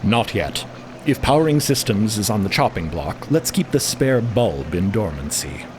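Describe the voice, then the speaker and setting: A man plays a methodical ship's officer in an audio drama, calm and measured. The voice is fairly low, over noisy vehicle-like ambience. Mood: calm, decisive. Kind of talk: fiction podcast character acting.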